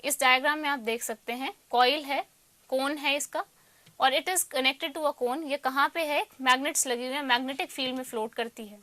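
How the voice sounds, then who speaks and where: A woman's voice: high voice, moderate pace, a bit bright, no room sound. A woman with an Indian accent lecturing as a teacher, posing questions and answering them herself, repeating points and switching between two languages. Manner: explanatory, repeats points, mixes Hindi and English. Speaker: electronics teacher. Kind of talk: lecture with self-posed questions.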